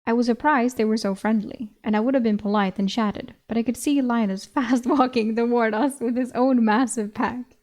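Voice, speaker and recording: A woman's voice: fairly high pitch, fairly even intonation, normal speed, a little mellow. Swedish-accented woman reading a story aloud. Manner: giggly, breaks into laughter. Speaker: vtuber reading a novel aloud. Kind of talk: audiobook reading with commentary.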